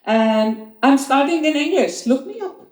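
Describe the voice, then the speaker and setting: A woman's voice: high-pitched, expressive, a little slow, a little mellow. A woman from Iceland, a health coach, introducing herself cheerfully on a panel. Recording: echoey event room.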